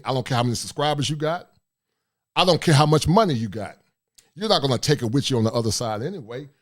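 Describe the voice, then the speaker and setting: A middle-aged man with a deep voice, hosting a livestream talk show, speaking forcefully and reading shout-outs from the chat. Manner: forceful, preachy, reads chat aloud. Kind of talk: casual livestream monologue.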